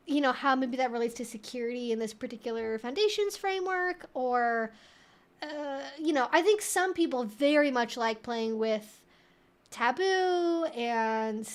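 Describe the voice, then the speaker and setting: A woman hosting a casual live Q&A, chatty and rambling as she thinks aloud while answering viewers. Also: sits high. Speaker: livestream host answering viewer questions. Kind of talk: casual live Q&A chat, reading out viewer messages.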